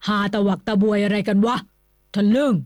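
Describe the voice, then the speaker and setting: A gruff old nobleman snapping out irritable rebukes, as a woman puts him on while reading the story aloud. He speaks loud and forceful, somewhat lower than her narrating voice. The recording is dry and close. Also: fairly even intonation, normal speed, no echo, lightly acted. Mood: scolding. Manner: gruff scolding outbursts. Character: irritable older nobleman, Chao Khun Prasit.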